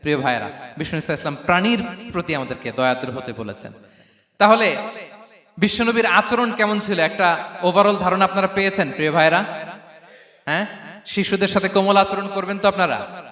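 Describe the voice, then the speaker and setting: Male preacher, bright and forceful, pitched a little high; emphatic sermon with sudden shouts, heavy PA echo. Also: fairly quick, pauses often. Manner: emphatic, swings from hushed to shouted, quizzes the audience. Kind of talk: sermon to a crowd. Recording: echoey PA sound in a big venue.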